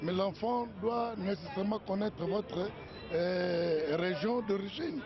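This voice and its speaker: A man's voice: sits high, slow pace, music in the background. Firm interviewee, man, outdoor crowd, lo-fi sound. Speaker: street interviewee. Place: busy street outdoors. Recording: dull lo-fi street recording with crowd.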